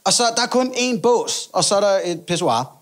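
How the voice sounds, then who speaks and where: A man's voice: high voice, expressive. A male stand-up comedian telling a story in a chatty, self-mocking way and acting out the people in it.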